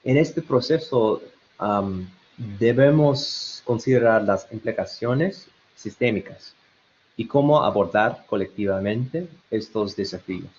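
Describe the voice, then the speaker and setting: A man's voice: lowish voice, animated, slow pace, a little mellow. A man with an American-tinged Spanish accent giving an online webinar presentation, hesitant with many fillers and restarts. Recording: dull lo-fi web call audio.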